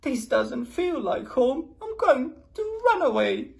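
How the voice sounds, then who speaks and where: A woman voicing a gentle young tyrannosaur boy who talks in a higher, plaintive and earnest way in a storybook. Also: very animated, takes it slowly, vocal fry, heavily acted. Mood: tearful. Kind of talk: storybook read-aloud.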